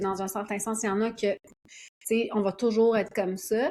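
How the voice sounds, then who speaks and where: A woman's somewhat breathy, fairly high voice at a moderate pace, with ordinary pitch variation, in a very clean recording against a silent background. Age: 40s. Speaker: podcast host and ADHD coach. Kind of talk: podcast interview.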